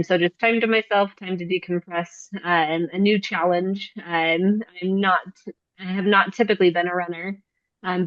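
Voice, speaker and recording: A woman's voice: on the low side, no room sound, muffled recording. A woman guest answering an interview question over a video call, thoughtful and hesitant with many ums. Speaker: coach, guest.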